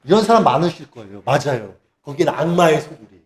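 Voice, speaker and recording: High, lively sarcastic male preacher. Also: quick pace. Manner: sarcastic, mocking, animated. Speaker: religious channel speaker. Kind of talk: ranting religious monologue.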